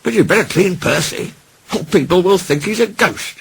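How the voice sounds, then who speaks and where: A man voicing a cheerful, teasing male railway signalman with a bright, jokey manner, music behind. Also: sits high, animated, moderate pace, vocal fry, breathy edge, voice pushed up, exaggerated voice.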